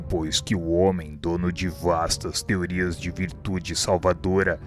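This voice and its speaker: A man playing a wise spirit instructor in a radio drama, speaking in a formal, measured, sententious way. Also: low-pitched, a bit bright. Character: solemn, wise male spirit instructor explaining divine law. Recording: music bed behind the voice.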